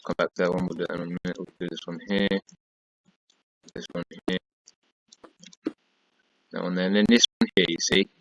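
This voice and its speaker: A man's voice: sits low, flat delivery, brisk, long pauses, a little hiss or hum, low-quality recording. A man with a tired, fading voice, casually talking through a block-building tutorial while he works, counting and pointing things out over and over. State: tired, losing his voice. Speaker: gaming tutorial creator.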